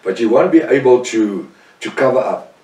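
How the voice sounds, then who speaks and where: A man's voice: mid-range voice, expressive, normal speed, a little mellow. A man with a South African Afrikaans accent teaching the Bible, emphatic, often repeating and correcting himself. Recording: roomy sound from a distant mic.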